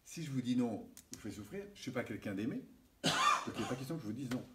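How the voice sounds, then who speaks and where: A man giving a seminar lecture, animated and checking in with his audience often. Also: mid-range voice, fast talker. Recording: distant mic with faint hiss.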